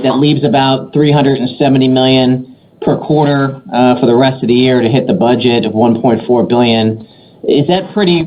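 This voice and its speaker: A man speaking as a financial analyst, asking questions in a casual, halting way on a conference call. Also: mid-range voice. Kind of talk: conversational earnings call questioning. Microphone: telephone. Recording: dull, faintly noisy call audio.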